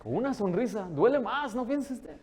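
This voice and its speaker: A man preaching a sermon as pastor, animated, asking the congregation questions and acting out the people he quotes. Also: high voice, moderate pace, husky. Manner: acts out quoted dialogue in changed voices.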